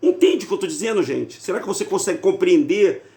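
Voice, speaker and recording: A man's voice: high voice, expressive, quick pace, creaky, dark tone, echoey room. A man from Rio de talking casually to viewers, chatty and full of rhetorical questions. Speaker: video host. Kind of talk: casual monologue to camera.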